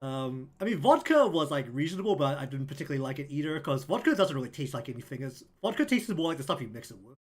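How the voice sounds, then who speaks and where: A man's voice: a little high, big pitch swings, fast, hardly any pauses. Rambling New Zealand man, casual stream chat. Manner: rambling, many ums and likes. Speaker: streamer and artist. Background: faint lofi music.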